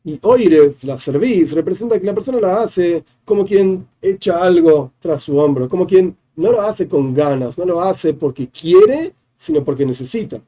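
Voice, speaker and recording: A man's voice: high voice, animated, normal speed, hardly any pauses, warm tone. A man, a rabbi teaching a Hasidic discourse, explaining each idea step by step with repeated definitions. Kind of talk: explanatory religious class.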